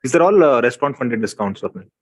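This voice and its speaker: A man speaking as a company executive, giving unscripted answers to investor questions with measured, hesitant phrasing. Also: medium pitch, animated, no echo. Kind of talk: unscripted earnings call answers.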